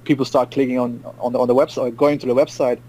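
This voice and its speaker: A man's voice: mid-range voice, level tone, fast talker, dark tone. A man in his thirties from Germany, a trading podcast guest who talks in an upbeat, rambling way and laughs often. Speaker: guest, trader. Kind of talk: casual interview.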